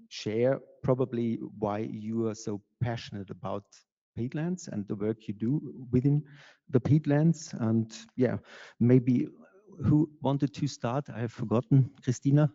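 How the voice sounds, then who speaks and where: A man introducing a lecture as organizer and moderator, talking haltingly with many fillers. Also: medium pitch, warm tone. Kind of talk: hesitant spoken introduction. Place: lecture hall. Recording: lo-fi with long hall reverb.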